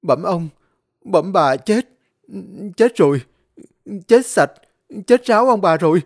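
A man's voice: high voice, animated, normal speed, dry recording, clean studio sound, voice pushed up. A man voicing a terrified young male servant who stammers and pleads, in a spoken horror story. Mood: frightened.

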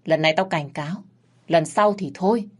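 A woman voicing a fierce, foul-mouthed young woman who shouts coarse curses. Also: lowish voice, moderate pace, lightly acted. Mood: threatening.

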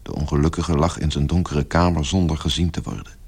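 An actor as the grave storyteller, giving measured literary narration in a radio play. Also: male voice, very deep voice, flat delivery, a little mellow, husky, exaggerated voice. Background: music.

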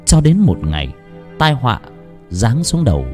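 A male storyteller narrating a dark folk tale in a grave, emphatic manner. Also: medium pitch, wildly swooping pitch, normal speed, faint music behind.

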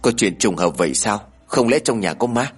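A short-tempered young village mother in a spoken ghost story, voiced higher and louder than the narration, snapping harsh scolds, as a male narrator acts her out. Her husky voice leaps and swings. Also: animated, normal speed. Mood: sharp.

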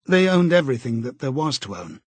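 A man voicing a cautious, earnest middle-aged man in an audiobook, speaking in a measured, tentative way. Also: mid-range voice, sing-song, breathy edge, no echo. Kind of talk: audiobook character voice.

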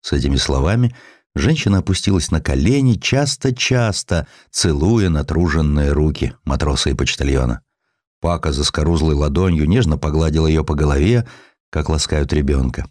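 A man narrating a literary audiobook in an expressive, dramatic and measured storytelling style. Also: a bass voice, dry recording, studio quality.

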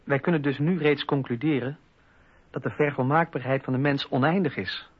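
A raspy, mid-pitched voice: a man acting an idealistic philosopher. He declaims his treatise with deliberation, radio-play fashion, on a somewhat dull recording. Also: normal speed, close to an everyday voice. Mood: earnest, hopeful. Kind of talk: literary reading in radio drama.

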